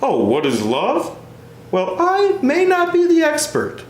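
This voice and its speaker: Pedantic mad-scientist teacher, theatrical, very animated, echoey stage room. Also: male voice, extremely high pitch, slow pace, slight background noise, voice pushed up, exaggerated voice. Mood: earnest lecturing. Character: eccentric pedantic male chemistry teacher, nerdy mad-scientist type. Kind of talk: one-man stage comedy, playing both parts. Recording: roomy, echoing stage sound.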